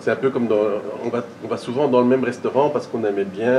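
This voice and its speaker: This man talks at a very fast pace in a medium pitch. Noticeable background noise sits behind him. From Belgium, grew up in Germany. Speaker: film director. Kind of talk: panel discussion. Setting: stage with audience. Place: hall.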